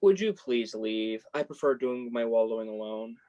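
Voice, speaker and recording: A man's voice: mid-range voice, animated, moderate pace, mellow, dull audio, close to an everyday voice. A man playing a wry, sensitive college guy. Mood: embarrassed, guarded. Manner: self-deprecating, dry sarcasm. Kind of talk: staged reading of a play, naturalistic dialogue.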